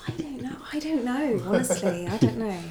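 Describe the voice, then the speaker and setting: A woman guest on a casual podcast, soft-spoken and hesitant. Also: on the high side, expressive, brisk, a loud crowd.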